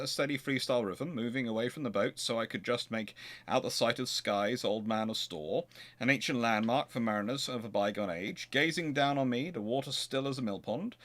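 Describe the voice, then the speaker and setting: A man with a medium-pitched voice presents as host of a history show. His delivery is informal and unpolished, with self-corrections as he works through questions and passages. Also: a bit bright. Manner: hesitant, thinking aloud, self-correcting. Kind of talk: informal question-and-answer talk and reading aloud from books.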